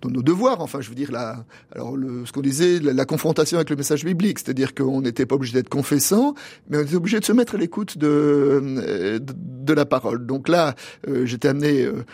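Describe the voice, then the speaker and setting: A man in his sixties from Paris, a pastor thinking aloud as an interview guest, with frequent pauses and restarts. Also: mid-range voice, darkish tone. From Paris, France. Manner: thoughtful, halting, many pauses and restarts. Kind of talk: reflective interview answers.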